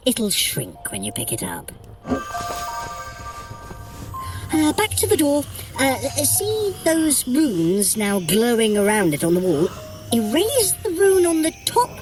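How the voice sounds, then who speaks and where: A woman's voice: on the high side, full character voice. A woman playing a sly, haughty trickster deity in an audio adventure workout, with an arch, droll, condescending delivery. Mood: dry, bemused. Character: sly, haughty trickster deity guiding a mortal through a heist. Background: music.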